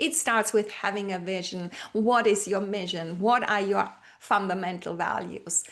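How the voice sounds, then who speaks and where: A woman with a non-native accent, medium pitch, ordinary pitch variation and a moderate pace. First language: not English. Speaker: branding coach. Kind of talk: podcast interview. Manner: halting, many fillers.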